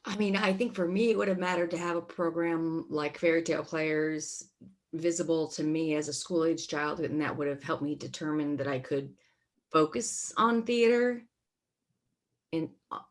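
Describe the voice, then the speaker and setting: A woman with a very low-pitched voice speaks as a panel guest. Her delivery is conversational and thoughtful, like someone answering an interview question. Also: moderate pace. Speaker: theater performer, panel guest.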